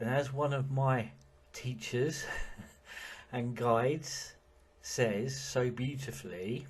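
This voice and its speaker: Speaking very slowly with long, frequent pauses, a somewhat breathy man keeps a medium pitch and fairly even intonation. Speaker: medium and workshop teacher. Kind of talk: spiritual teaching talk to camera.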